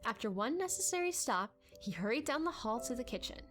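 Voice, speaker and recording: Female narrator for dramatic storytelling: higher register, very animated, expressive. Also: a little fast, soft background music.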